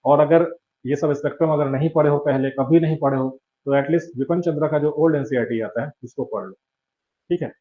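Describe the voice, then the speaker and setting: A man's voice: on the high side, brisk. Male coaching teacher, muffled lecture. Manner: conversational, keeps asking "है ना?".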